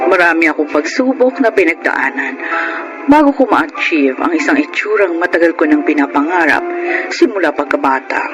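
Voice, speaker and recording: An actor playing a sassy, affectionate young trans woman who tells her story in a Filipino radio drama, expressive and theatrical. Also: mid-range voice, moderate pace, lightly acted, low-quality recording. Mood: proud, reflective. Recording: music behind the voice.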